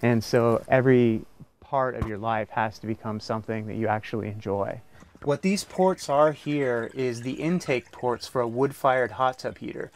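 A man's voice: medium pitch, normal speed, a little hiss or hum. A man in his forties, a farmer and craftsman, explaining his handmade off-grid setup step by step while walking around his small farm, indoors and out. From United States. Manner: earnest, practical, explains step by step. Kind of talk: casual explanatory tour.

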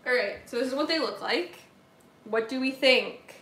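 Her voice is high-pitched and fairly bright at a moderate pace: a young Southern woman baking in her home kitchen while chatting casually with live stream viewers about their comments. The laptop or phone camera sits at table distance, giving echoey room sound and slight background noise.

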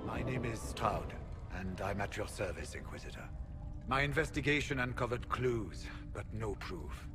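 A man's voice: on the low side, expressive, normal speed, music in the background, close to an everyday voice. A man playing a solemn, courteous warrior in a fantasy game, speaking earnestly. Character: solemn, courteous male warrior, loyal investigator.

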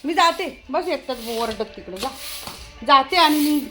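Outdoors in an open ground, a woman vlogs casually while scolding and teasing her dog, laughing often. Her voice is high and a bit bright, with lively intonation and a measured pace.

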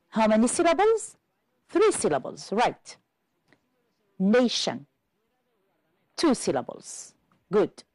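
A woman English teacher explaining syllables slowly and carefully in a clear classroom manner. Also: mid-range voice, a little mellow, no room sound. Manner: careful, deliberate, spells out pronunciation. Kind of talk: slow clear classroom instruction.

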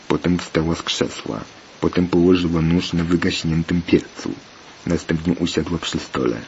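Very deep-voiced man narrating a story. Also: a little mellow. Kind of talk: read-aloud children's story. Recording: muffled lo-fi with faint hiss.

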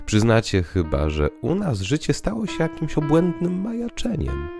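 A man's voice: a little high, huge pitch swings, moderate pace, vocal fry, voice pushed up, heavily acted. A man voicing an earnest, bitter social critic in an audio drama, speaking in emphatic rhetoric. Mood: indignant. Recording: piano music underneath.

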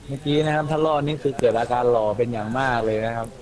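A man talks quickly and eagerly while playing a video game with a friend, trading casual remarks and cheering the action on. His pitch sits in an ordinary middle range for a man, captured on a headset-style mic. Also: a little mellow. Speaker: co-commentator and player. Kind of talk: casual let's-play commentary.

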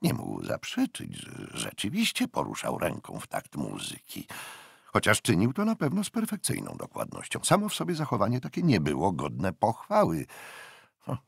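An older man reads literary fiction in a very low, husky voice. His delivery swings widely in pitch, with deliberate phrasing and dramatic pauses that give the narration a theatrical shape. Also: wildly swooping pitch, no echo, clean studio sound. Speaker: audiobook narrator.

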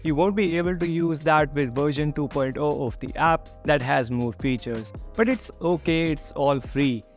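A young man with a slightly raised pitch talks straight to camera in a dim home studio. He runs through a software review in an upbeat, friendly way. Soft music plays faintly underneath. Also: moderate pace. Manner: upbeat, friendly, walks through steps plainly. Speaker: tech reviewer, channel host.

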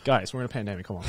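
A young man co-hosting a casual podcast chat in a small studio, reading out donations on a boom mic and laughing a lot. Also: slightly rough, no room sound. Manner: laughs often, reads out donations. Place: small neon-lit studio, seated on couch. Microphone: boom mic on arm.

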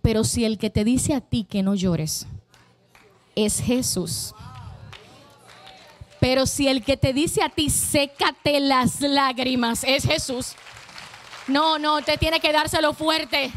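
A woman's voice: high-pitched, slow, long pauses. A woman preaching a fervent sermon to a church congregation, using emphatic repetition and calling out to the people.

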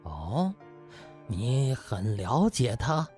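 A man's voice: mid-range voice, very animated, extremely slow, darkish tone, soft background music. A man voicing a humble, genial elderly country doctor with courteous, old-fashioned phrasing in an audiobook. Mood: puzzled.

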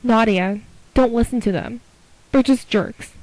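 A timid, kind-hearted schoolgirl played by a woman who speaks slowly and earnestly. The voice is fairly high and recorded dry, like a cartoon audition take. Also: a little mellow, no echo, close to an everyday voice, poor audio. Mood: shy, earnest. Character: shy, kind teenage schoolgirl, loyal friend. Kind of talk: amateur animation voice audition.

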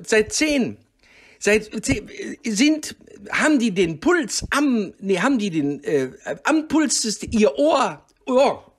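Male guest for a comic monologue: husky, very animated pitch, muddled, keeps breaking off to mutter to himself. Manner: muddled, self-interrupting, muttering asides to himself. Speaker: guest giving a congratulatory message. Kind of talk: rambling comedic monologue.

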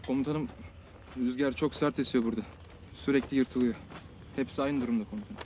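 A man's voice: mid-range voice, fairly even intonation, fairly quick, darkish tone, close to an everyday voice. An actor playing a young soldier who dutifully reports to his commander at a windy outdoor post in a film drama.

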